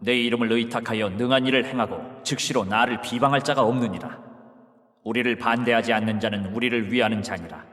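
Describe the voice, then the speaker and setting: A man voicing Jesus as a calm, authoritative teacher in a dramatized Bible reading, speaking in a measured, solemn way. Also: medium pitch, long reverb tail, lightly acted. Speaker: voice actor.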